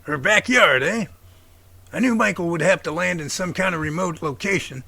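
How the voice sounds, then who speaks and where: A man's voice: high-pitched, normal speed, vocal fry, bright, forceful tone, dry recording, exaggerated voice. A man playing a fatherly older professor in an amateur radio drama, folksy and encouraging.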